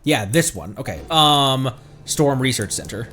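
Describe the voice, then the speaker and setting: A man's voice: medium pitch, expressive, unhurried, fairly bright tone, slight background noise. A man giving casual live game commentary as a streamer, with murmured asides that trail off mid-thought. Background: game music.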